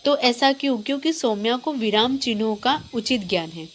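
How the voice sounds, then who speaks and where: A woman's voice: on the high side, lively intonation, normal speed, a little hiss or hum. Woman teaching a grammar lesson. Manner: explains, then repeats points as questions to the class; reads textbook passages aloud, then explains them. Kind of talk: Hindi grammar lesson for schoolchildren.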